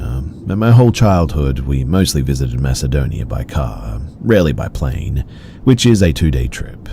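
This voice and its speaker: A man reading out horror stories in an even, measured storytelling delivery. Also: rumbling low, gravelly, slight background noise. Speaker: story narrator. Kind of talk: scripted horror story narration.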